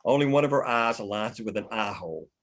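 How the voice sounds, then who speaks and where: Low-pitched man reading stage directions. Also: lively intonation, fast. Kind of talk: scripted narration at a table read.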